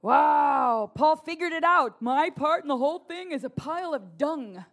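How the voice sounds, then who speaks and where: A woman preaching a lively charismatic sermon, animated and playful, mimicking her listeners, breaking into shouts and laughter. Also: sits high, a little slow.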